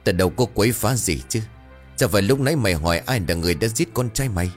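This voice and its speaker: A man's voice: lowish voice, lively intonation, fast talker, faint music behind, lightly acted. A man voicing a mocking demon that possesses a village woman and gloats over a killing. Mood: gloating. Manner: gloating, taunting.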